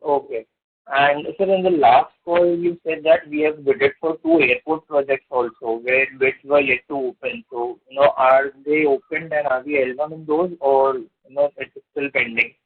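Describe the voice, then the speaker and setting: A man's voice: fairly high pitch, fairly even intonation, normal speed, husky. A man with an Indian accent, an analyst calling in to put polite questions on an earnings call. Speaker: investment analyst caller. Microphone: telephone. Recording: narrow phone line.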